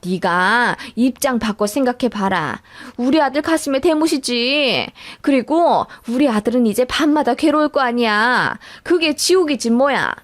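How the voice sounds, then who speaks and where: A woman's voice: fairly high pitch, animated, a little slow, hardly any pauses, no echo. A woman voicing a self-righteous middle-aged mother-in-law who nags and accuses in a radio-style story. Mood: scolding. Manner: nagging, accusing.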